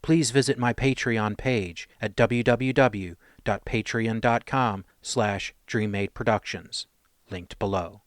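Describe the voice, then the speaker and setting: A man's voice: fairly low pitch, takes it slowly, dry recording, clean studio sound. A man reading a scripted promotional announcement as the producer of an audio channel.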